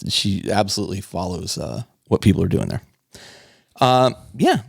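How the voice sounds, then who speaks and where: Low-voiced enthusiastic podcast co-host man. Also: normal speed, vocal fry, slightly rough, no echo, studio quality. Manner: enthusiastic, laughs often, rambling restarts. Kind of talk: casual hobby podcast chat.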